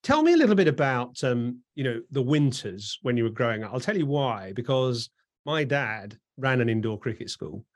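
A man's voice: medium pitch, sing-song, normal speed. A man with an English accent hosting a conversational interview, asking chatty, rambling questions. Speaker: interviewer and host.

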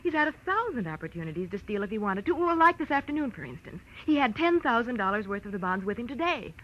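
A woman's voice: a little high, very animated, quick pace, fairly bright tone. An actress with an American accent playing an anxious, evasive young female client, earnest and defensive, in 1940s radio drama style. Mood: uneasy, insistent. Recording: dull, faintly noisy old radio recording.

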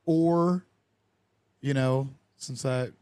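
Young man hosting a podcast, lively anecdote teller who plays out the dialogue, mid-pitched, dry close sound. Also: extremely slow, clear, resonant tone, dry recording. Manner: animated storyteller who acts out quoted dialogue with lively voices. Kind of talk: casual storytelling chat.

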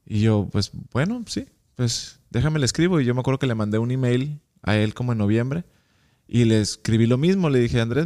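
A man's voice: fairly low pitch, smooth. A young Mexican man with a Mexican accent, a guest telling a personal story in a casual interview and acting out the dialogue. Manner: animated, acts out quoted dialogue.

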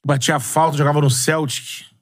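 A man's voice: fairly high pitch, flat delivery, moderate pace. A man co-hosting a podcast, chatty and full of football trivia. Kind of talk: casual chat.

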